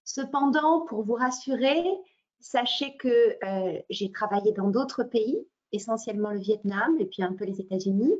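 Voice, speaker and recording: A middle-aged woman from France presents a language-teaching webinar over a video call. Her voice sits a touch high, and she hesitates often, filling pauses and restarting phrases. The sound is dull and lo-fi, like a laptop microphone. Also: darkish tone. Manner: hesitant, many fillers and restarts. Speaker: French teacher and trainer. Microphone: computer mic on a video call. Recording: muffled lo-fi webinar audio.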